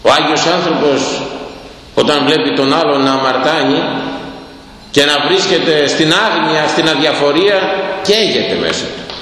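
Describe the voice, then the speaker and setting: Man preaching slowly in an echoey hall. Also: a little high, expressive, fairly bright tone, slight background noise. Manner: slow, emphatic preaching with rhetorical questions. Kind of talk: sermon. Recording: roomy hall with long reverb, faint ambience.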